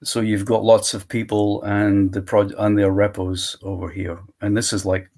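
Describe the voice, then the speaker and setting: A man walking through his software tool in a live screen-share demo, thinking aloud step by step. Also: lowish voice, flat delivery, moderate pace. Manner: walks through steps aloud, thinking as he goes.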